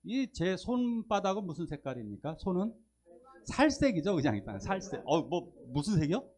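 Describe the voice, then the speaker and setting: A man's voice: high voice, normal speed. A male pastor preaching a Sunday sermon, posing questions to the congregation and joking with them. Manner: lively, asks the congregation questions and jokes with them. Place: church service.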